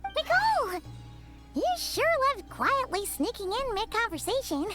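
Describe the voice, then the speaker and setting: Squeaky, bubbly little fairy sidekick. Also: female voice, sing-song, measured pace, music in the background, full character voice. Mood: cheeky. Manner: speaks of self in third person. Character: tiny childlike fairy companion, bubbly, cheeky, dramatic. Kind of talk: video game voice acting.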